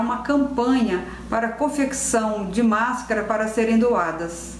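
Fairly high woman's voice, fairly slow, with ordinary pitch variation, audible room echo and light background noise. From Santa Luzia, Minas Gerais; Minas Gerais. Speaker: charity campaign organizer. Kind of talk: interview. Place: home room. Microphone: webcam.

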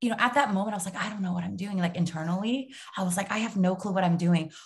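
Somewhat breathy, a woman speaks in an American accent. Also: quiet background. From Sacramento, California; California. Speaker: city council member. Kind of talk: interview. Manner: fast. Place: home room. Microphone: webcam.

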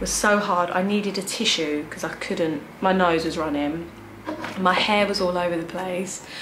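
A woman talks with a fairly low pitch and ordinary pitch variation. Her pace is moderate, and there is noticeable background noise. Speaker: vlogger. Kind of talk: casual vlog chat. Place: home room. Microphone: camera far.

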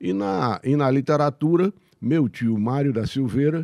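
A man with a dark, mellow tone speaks fairly slowly with lively intonation on a very clean recording with a silent background. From Fortaleza, Ceará, Brazil. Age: old. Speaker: retired professor and poet. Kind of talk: interview.

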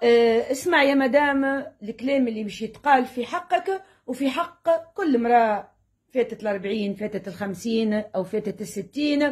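A woman in a Tunisian accent, fairly high-pitched and animated, with lively intonation, a moderate pace and a quiet background. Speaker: online advice commentator. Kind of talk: advice monologue to camera. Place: home room. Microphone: phone near.

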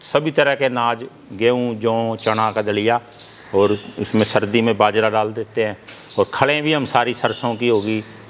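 Over light background noise, a man talks at a fairly slow pace in an ordinary speaking voice. His pitch is medium and his intonation fairly even. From Haryana, India. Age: 50s. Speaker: dairy farmer. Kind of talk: interview. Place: farm machine. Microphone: lapel.

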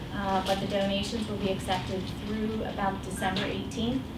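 A woman talks at a fairly quick pace. Loud background noise runs under her voice. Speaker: university counsel and event host. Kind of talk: event hosting. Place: meeting room.

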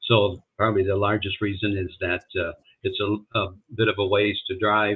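A man with an American accent speaks at a moderate pace in a fairly low, monotone voice with flat intonation over a quiet background. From US Midwest. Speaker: chestnut farmer. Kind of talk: interview. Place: home room. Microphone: video call.

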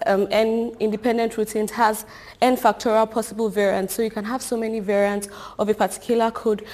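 A woman speaks in a normal speaking voice at a fairly high pitch. Her intonation stays fairly even. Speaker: researcher; conference presenter. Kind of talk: conference talk. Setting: lecture room with audience. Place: classroom.

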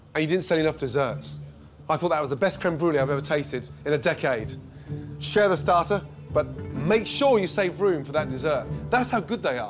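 A man talks fairly quickly while clear music plays in the background. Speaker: TV chef host judging restaurants. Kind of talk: feedback speech to staff. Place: cafe. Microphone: lapel.

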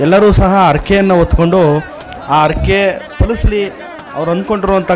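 The male speaker's intonation stays fairly even while noticeable background noise is heard. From Chamarajanagar, Karnataka. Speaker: travel vlogger. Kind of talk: vlog narration. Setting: outdoors at village fair.

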